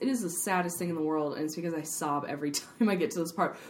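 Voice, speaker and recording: Noticeable background noise sits behind this recording. A woman with a fairly low voice speaks very fast. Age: 20s. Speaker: podcast co-host. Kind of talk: casual chat. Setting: home apartment recording.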